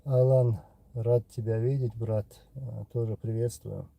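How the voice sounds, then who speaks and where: A man with a Chechen accent, a native Chechen speaker, hosting a live stream and answering viewer questions in an unhurried way, pausing often. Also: medium pitch, fairly even intonation, gravelly, no room sound, highs cut off. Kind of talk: casual live chat reading comments.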